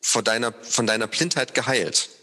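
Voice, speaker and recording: A man's voice: mid-range voice, normal speed, bright, forceful tone, long reverb tail. A man reading aloud, voicing a group of indignant religious leaders in an accusing, raised voice.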